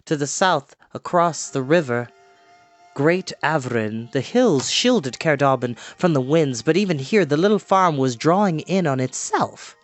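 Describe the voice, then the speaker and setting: A man reading a fantasy novel aloud as an expressive storyteller. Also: on the high side, a little slow. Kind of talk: expressive audiobook-style narration. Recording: music playing behind the voice. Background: background music.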